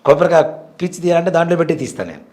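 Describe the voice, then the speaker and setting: A man's voice: fairly high pitch, lively intonation, very fast, darkish tone. A man in his forties, a temple priest, earnestly telling a devout personal story in an interview. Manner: earnest, devout, vivid retelling.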